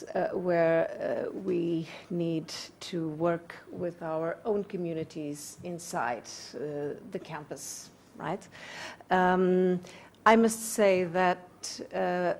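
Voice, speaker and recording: A woman from Portugal, answering at a conference panel in a deliberate way, searching for words and correcting herself. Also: on the low side, a little mellow. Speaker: conference panelist, university leader.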